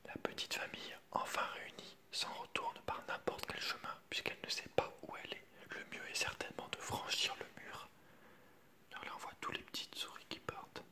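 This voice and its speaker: A little fast, a man whispers his way through a children's picture book, his voice hushed and unvoiced like in a library. The ASMR reading includes informal asides directed at viewers.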